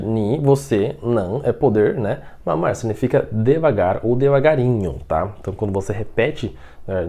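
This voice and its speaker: A Brazilian man teaches a language lesson in a mellow, warm voice. He explains things patiently and keeps checking that the learner is following. When he models example sentences, he slows right down. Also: on the low side. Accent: Brazilian Portuguese. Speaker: Mandarin teacher.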